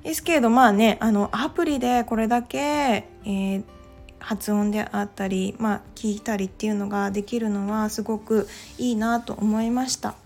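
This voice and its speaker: Woman, podcast host, casual monologue, gravelly, faint background music. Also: mid-range voice, fairly even intonation, moderate pace, darkish tone. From Japan. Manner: chatty, many filler "well"s.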